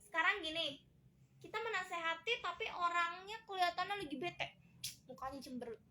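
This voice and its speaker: An Indonesian woman counselor talking casually about parenting teenagers, chatty and acting out quoted lines in lively voices. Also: very high voice, brisk. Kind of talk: casual talk on parenting teens.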